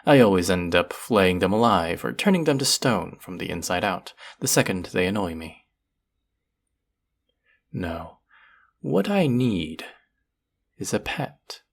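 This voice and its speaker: A man's voice: on the low side, full character voice. A man playing a cruel, powerful, vain sorcerer in a fantasy audio roleplay, speaking to the listener in a theatrical, menacing drawl. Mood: musing, menacing.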